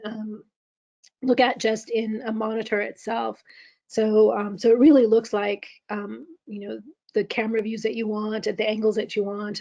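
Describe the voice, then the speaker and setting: A woman presenting a software demo in a webinar, halting with many ums, her voice going hoarse as she keeps clearing her throat. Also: on the high side, dry recording. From California. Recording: dull, lo-fi webinar audio.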